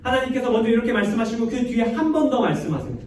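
A young male youth pastor gives a playful, chatty sermon full of jokes. His voice is very high for a man. The sound is heavily echoey, caught from a distance with faint noise in the background. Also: big pitch swings, racing, a little mellow. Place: church sanctuary.

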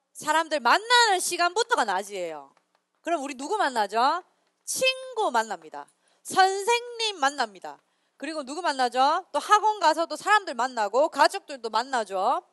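A woman children's pastor speaks with a lilt. Her voice sits high and swings widely as she coaxes the kids to repeat after her. The sound is dry, close and clear. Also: dry recording. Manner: animated, leads children in repeating lines, reads scripture slowly and loudly. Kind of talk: children's sermon with call-and-response.

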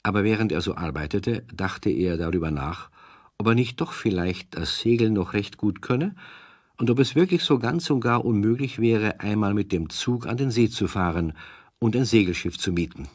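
A man with a husky voice, narrating a scripted children's story. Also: lowish voice, lively intonation, moderate pace, no room sound, clean studio sound.

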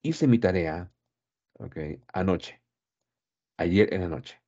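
A man's voice: low-pitched, expressive, slow pace, mellow, lo-fi sound. A man teaching English grammar in Spanish, who explains patiently and drills pronunciation by repeating each word several times.

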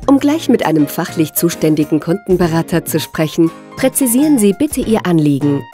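A woman reading a recorded phone menu announcement in a calm, measured, evenly articulated way. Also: deep voice.

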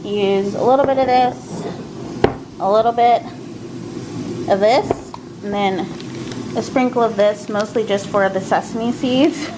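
A woman in her thirties chatting casually to camera from her living room, candid and talkative, with soft laughs now and then. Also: mid-range voice, fairly even intonation, a little slow, long pauses, noisy background. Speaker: vlogger. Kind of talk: casual vlog chat. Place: living room at home, seated on a couch. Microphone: camera in front, close framing.

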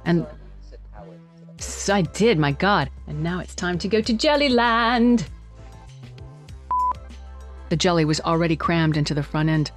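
A woman audiobook narrator in studio outtakes, breaking into giggles as she reads. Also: low-pitched. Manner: giggling, breaking up mid-line. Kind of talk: studio outtakes, reading and laughing.

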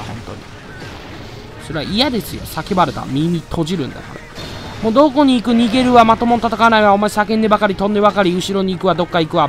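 A man giving excitable live gameplay commentary, loudly taunting and grumbling at the monster he is fighting. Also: fairly high pitch. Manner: excitable, trash-talks the monster with rough taunts. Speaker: let's play commentator. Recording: loud game music behind voice. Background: game music.

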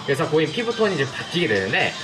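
A man's voice: fairly high pitch, very animated, very fast, loud music behind the voice. A young man speaking politely through a face mask as a beauty consultant, explaining things to a customer. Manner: polite customer-service speech. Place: small indoor beauty consultation booth.

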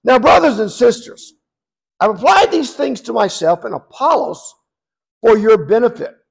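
An older man in his seventies preaches with a raspy, hoarse voice full of gravel and fry. His pitch sits fairly high for a man, and he rambles through warm, self-deprecating asides between points. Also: very animated, moderate pace. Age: 70s. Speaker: guest preacher. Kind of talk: sermon.

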